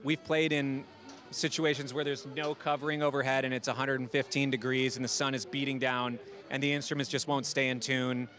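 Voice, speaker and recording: A man from Minneapolis, a touring musician, talks through his answers in a relaxed, thoughtful way. He rambles a little as he thinks, with a mid-range voice, interviewed outdoors. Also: medium pitch, a little fast. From Minneapolis, USA.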